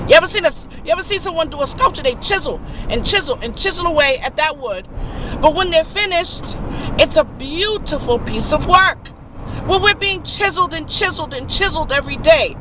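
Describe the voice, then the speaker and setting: A woman's voice: high-pitched, lively intonation, moderate pace, background noise. A woman giving an emphatic, preachy motivational vlog talk, calling her viewers honey. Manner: laughs and gets emotional. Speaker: vlogger.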